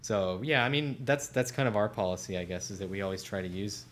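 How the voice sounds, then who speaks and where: Relaxed low-voiced man on a podcast. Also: fast talker, a little hiss or hum. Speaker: senior smartphone editor, co-host. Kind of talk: casual tech podcast chat.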